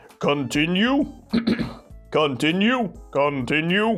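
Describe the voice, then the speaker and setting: Put-on character voice from a man at a fairly high pitch and very slow pace, with faint music in the background. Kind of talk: announcer-style.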